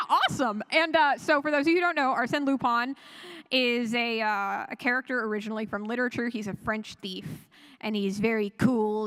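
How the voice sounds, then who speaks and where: A woman presenting an informal panel talk to an audience, animated and conversational, with wry asides. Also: on the high side.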